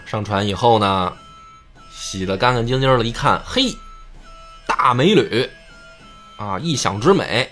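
A man telling a folk tale casually, full of jokes and asides. His voice sits mid-range but swings lively through its pitch. Faint music plays underneath. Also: unhurried, pauses often. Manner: chatty, joking, with asides. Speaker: storyteller. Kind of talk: casual comic storytelling.

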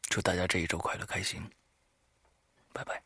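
Man, low creaky voice, husky, dry close studio sound, halting informal show host. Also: monotone, pushed and bright, no room sound. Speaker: host of an audio horror story show. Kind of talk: informal spoken monologue to listeners. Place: recording studio, alone.

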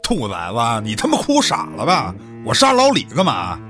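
An actor playing a brash, foul-mouthed, shady restaurant boss in a radio drama, scornful and streetwise. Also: male voice, mid-range voice, huge pitch swings, normal speed, a bit bright, soft background music. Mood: scornful, indignant.

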